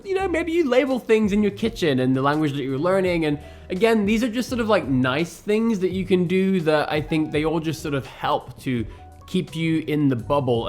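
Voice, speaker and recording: Animated man in his thirties giving advice. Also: on the high side. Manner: earnest, animated, gestures a lot with both hands. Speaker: language learning YouTuber. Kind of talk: casual advice monologue to camera. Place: bedroom at home, indoors.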